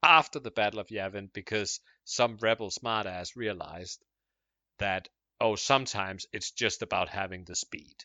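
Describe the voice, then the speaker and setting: A man's voice: on the low side, normal speed, bright, forceful tone, no room sound. A man co-hosting a casual podcast chat, talking in an emphatic, provocative way.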